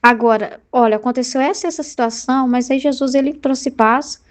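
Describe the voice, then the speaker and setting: A woman with a Brazilian Portuguese accent leading a Catholic study group in an earnest, conversational way. Her voice sits slightly high, and she keeps checking in with her listeners as she teaches. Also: a little fast. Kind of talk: spoken spiritual teaching.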